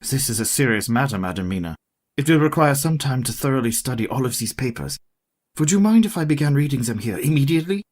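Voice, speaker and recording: A man's voice: medium pitch, lively intonation, a little mellow, close to an everyday voice. A man playing a grave, courtly old professor. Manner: formal, courtly, measured speech. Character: learned elderly male professor, gentle and grave. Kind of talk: radio play acting.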